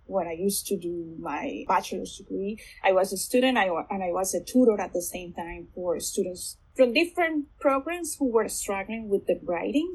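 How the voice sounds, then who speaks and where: A woman in her forties from Colombia, speaking English with a Colombian Spanish accent, enthusiastic and warm, often restarting her sentences as an interview guest. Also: medium pitch, breathy edge, low-quality recording. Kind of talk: conversational interview.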